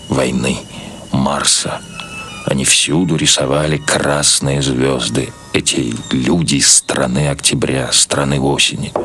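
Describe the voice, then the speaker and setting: A man's voice: extremely low pitch, a bit bright, a little hiss or hum. A man reading literary prose aloud as a scripted narration. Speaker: narrator, reader.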